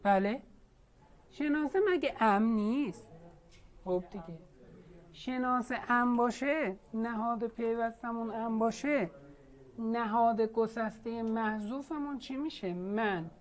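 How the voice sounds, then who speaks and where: Woman teacher on an online class, asks students lots of questions, patient. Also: a little high.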